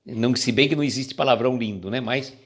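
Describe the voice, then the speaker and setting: A man with a Brazilian accent reflects on a spiritual text in a relaxed, conversational manner. His voice is mid-pitched. He slows down for the quoted passages, then riffs loosely with fillers. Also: breathy edge. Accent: Brazilian Portuguese. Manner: reads passages slowly, then explains casually with fillers and jokes. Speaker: spiritist book commentator. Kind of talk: casual reflective reading and commentary.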